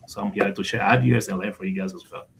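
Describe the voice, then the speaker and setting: Man, lowish voice, earnest, short statements, faint background noise. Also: fairly even intonation, fast talker, gravelly. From southeastern Liberia. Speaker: panelist, former UN official. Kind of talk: self-introduction on a panel.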